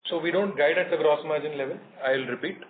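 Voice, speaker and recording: A man with an Indian accent answering analysts on an earnings call as a company executive, in a measured, hesitant manner. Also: on the high side. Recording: noisy narrowband phone conference line.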